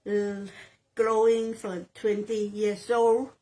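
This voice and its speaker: A woman in her sixties from Thailand with a Thai accent, a real estate sales agent answering interview questions in halting English, often repeating phrases as she looks for words. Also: medium pitch, little pitch movement, warm tone, rough recording. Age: 60s.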